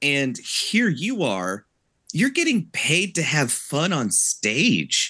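A bright, sharp tone with vocal fry and very wide pitch swings, at a very slow pace over a quiet background. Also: man, fairly high pitch for a man. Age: 40s. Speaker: mentalist and business consultant. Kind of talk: podcast interview.

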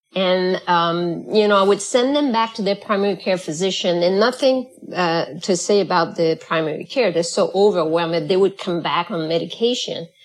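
Her pitch sits in the medium range for a woman, with ordinary variation. The woman speaks at a moderate pace. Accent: French Canadian. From Quebec, Canada. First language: French. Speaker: physician.

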